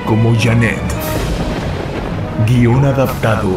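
A man reading scripted audio drama credits as announcer, solemn and deliberate. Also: mid-range voice, fairly even intonation. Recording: voice under very loud music.

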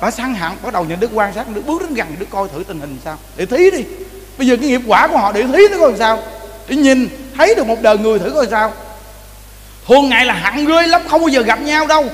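High-voiced Southern Vietnamese man preaching. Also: fast. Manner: animated storytelling, repeats words, addresses the audience often. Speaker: Buddhist preacher. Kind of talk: sermon. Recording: reverberant hall with faint noise.

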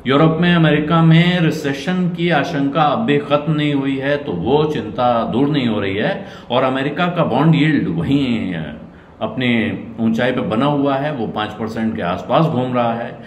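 A middle-aged man explains market moves in a steady, measured way, his voice sitting in the middle of his range. The room around him adds a noticeable echo, and a faint hiss sits underneath. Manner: measured explanatory delivery, dropping low at cautions. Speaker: senior journalist and market commentator. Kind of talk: market commentary to camera. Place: indoor room with curtains. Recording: roomy echo, faint noise.

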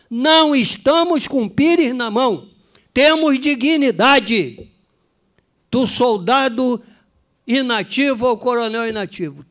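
An older retired police colonel giving an impassioned, declamatory speech at a hearing, repeating phrases for emphasis. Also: male voice, high-pitched. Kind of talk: formal committee speech.

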